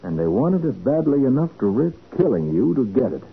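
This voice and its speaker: An actor playing a confident, inquisitive private detective, brisk and authoritative, in a 1940s radio crime drama. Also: male voice, mid-range voice, big pitch swings, gravelly, slightly rough, full character voice. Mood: intrigued. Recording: noisy, muffled 1940s radio recording.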